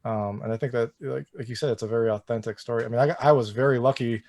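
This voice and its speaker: A man hosting a relaxed video interview, his questions loose and full of "you know." His voice sits at an ordinary pitch and sounds close and dry, with little room around it. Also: fast talker, dry recording. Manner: rambling, heavy use of "you know".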